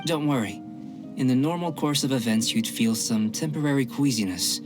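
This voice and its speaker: A man voicing a calm young male alchemist in a game, measured, clinical and politely detached. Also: mid-range voice, natural voice. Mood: composed. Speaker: game character. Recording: game audio with music behind.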